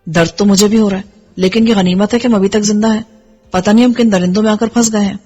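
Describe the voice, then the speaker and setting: A calm, resourceful young man held captive in an audio story, read by a woman narrator. He speaks in a hushed, reassuring way with a husky, airy tone, over a faint music bed. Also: mid-range voice, natural voice.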